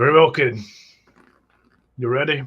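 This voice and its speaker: This man uses a put-on character voice. It is raspy and sits at a medium pitch. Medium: actual play. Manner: casual, wry, coaching.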